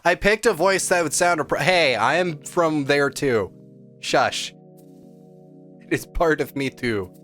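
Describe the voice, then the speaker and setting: A man's voice: on the high side, unhurried, fairly bright tone, faint music behind. A man streaming a story game, chatting playfully and making jokey asides as he reads. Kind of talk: casual game stream, reading story aloud.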